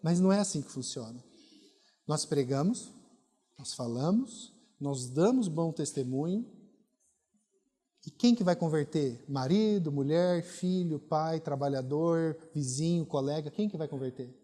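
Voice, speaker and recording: A man's voice: fairly high pitch, measured pace, mellow, slightly rough. A middle-aged Brazilian man with a Brazilian Portuguese accent, a pastor preaching a sermon with emphatic, repeated rhetorical questions. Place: church hall. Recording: long hall reverb.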